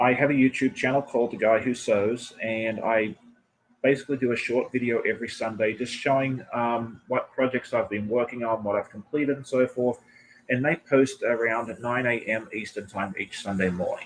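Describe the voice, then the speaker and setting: A man with an Australian accent speaks at a medium pitch, his intonation fairly even. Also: moderate pace. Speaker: sewing and quilting YouTuber. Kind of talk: casual live-stream interview. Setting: online live stream video call. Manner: hesitant, many fillers.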